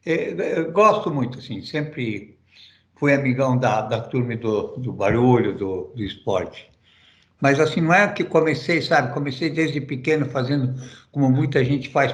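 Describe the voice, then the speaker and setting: A man's voice: a little high, roomy sound. Argentine man, rambling interview answers. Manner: rambling, restarts often, hesitant fillers. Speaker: interview guest. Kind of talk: casual conversational interview.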